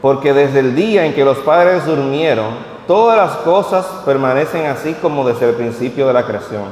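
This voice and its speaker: A man's voice: medium pitch, expressive, normal speed, a little mellow, slight background noise. Man preaching in an echoey church hall. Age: 30s. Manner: reads scripture steadily, then talks plainly with the congregation. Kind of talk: sermon with scripture reading. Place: church hall at a vigil service. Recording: echoey hall with long reverb.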